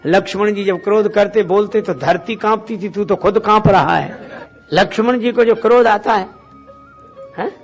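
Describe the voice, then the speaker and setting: Over soft background music, a high-pitched man speaks at a normal pace, retelling Ramayana episodes in a devotional Hindu sermon. He takes on a storyteller's role, asking rhetorical questions, performing bits of dialogue and reciting verses.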